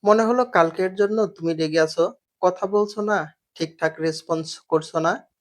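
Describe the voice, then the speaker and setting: A man voicing a sharp-tongued young working woman. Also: high-pitched, moderate pace, lightly acted. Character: young woman factory worker, quick-tempered, guarded.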